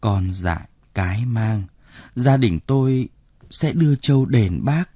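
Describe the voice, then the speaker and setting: A man voicing a weary, grieving older father in an audiobook, speaking gravely and sternly. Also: medium pitch, lively intonation, unhurried, dark tone, no room sound, studio quality. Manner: sorrowful, stern.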